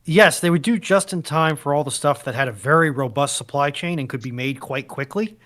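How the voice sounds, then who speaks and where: A man with a somewhat high voice talks as a panelist. His delivery is conversational and explanatory, like informal discussion among colleagues. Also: a little fast, a bit bright. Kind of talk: casual explanatory chat.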